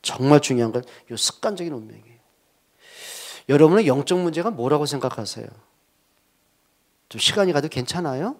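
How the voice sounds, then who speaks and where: Lively, high-voiced male pastor. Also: a little fast, long pauses. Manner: animated storytelling with joking asides. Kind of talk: sermon.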